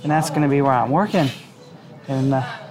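A man running for local office, talking in a friendly, chatty way outdoors at a lively campaign party. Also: mid-range voice, a little fast. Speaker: political candidate. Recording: field recording with a crowd behind.

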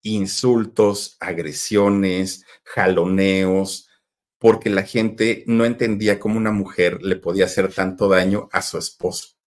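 A man with a Mexican accent hosting a channel, telling show-business stories in an animated, chatty way and repeating words for emphasis. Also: low voice, unhurried. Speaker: channel host. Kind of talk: storytelling commentary.

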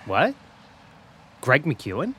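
An actor playing a hurt, sarcastic young gay customer-service rep with a halting, passive-aggressive way of talking in an audio comedy-drama. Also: male voice, medium pitch, wildly swooping pitch, sharp tone, a little hiss or hum, heavily acted. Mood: incredulous, bitter.

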